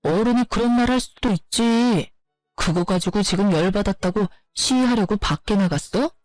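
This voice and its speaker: A woman's voice: medium pitch, moderate pace, darkish tone, no echo, faint music behind, lightly acted. A woman voicing a curt irritable husband, defensive, dry close sound. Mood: irritated. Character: irritable, tired husband in his thirties.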